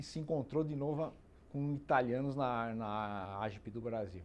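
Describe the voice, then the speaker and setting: A man speaks at a medium pitch with ordinary pitch variation. His tone is dark and mellow, and his pace is moderate. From Brazil, São Paulo. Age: 60s. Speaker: retired fleet and logistics professional. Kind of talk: life story interview.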